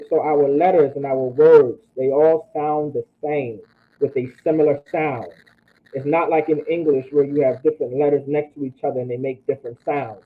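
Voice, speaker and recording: A man teaching an online language class, repeating phrases and checking in with "all right?". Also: fairly high pitch. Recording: tinny phone-like audio.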